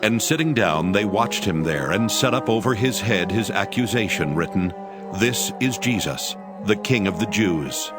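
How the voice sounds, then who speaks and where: A man's voice: lowish voice, expressive, measured pace, over loud music. A man narrating scripture as a dramatized reading.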